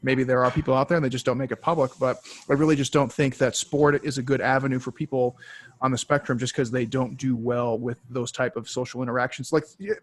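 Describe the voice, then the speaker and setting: A man co-hosting an online webinar in casual chat, talking in a relaxed, rambling way with many fillers, over a computer mic. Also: medium pitch, fast talker. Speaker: webinar co-host.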